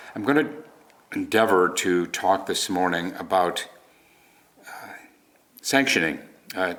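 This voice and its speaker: With an American accent, a man talks at a fairly slow pace and fairly low pitch, his loudness swinging widely, his pitch varying in an ordinary way, and his pauses long and frequent. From United States. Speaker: Zen teacher. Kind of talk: Dharma talk. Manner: halting, many fillers.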